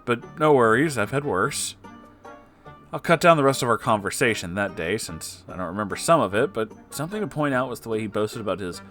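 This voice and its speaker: A man with a fairly low voice narrates an online story in a theatrical yet conversational way. He drops in asides as he reads, like a host talking to regulars. Plucked guitar music plays clearly behind him. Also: expressive, a little fast, fairly bright tone. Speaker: host reading Reddit stories.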